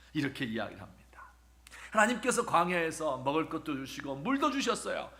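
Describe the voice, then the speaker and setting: A man preaching a sermon as pastor, telling a story with questions to the congregation and funny asides, dropping at times to a hushed near-whisper. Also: high-pitched. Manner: acts out quoted voices, drops to a hushed near-whisper at times; humorous asides about married life.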